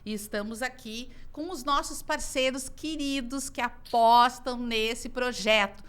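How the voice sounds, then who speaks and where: A woman from southern Brazil with a gaúcho accent, co-hosting a podcast in a lively way and dropping in short asides. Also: fairly high pitch, a little slow, clean tone. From Rio Grande do Sul, southern Brazil. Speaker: podcast co-host. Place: glass-walled studio with a live audience.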